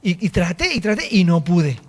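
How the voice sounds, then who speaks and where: A man preaches and tells a personal story. His voice is high for a man and swoops widely as he acts out each exchange. The delivery is lively storytelling from the pulpit. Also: moderate pace. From Chile. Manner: storytelling, animated, acts out dialogue. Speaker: apostle preaching. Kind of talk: sermon testimony.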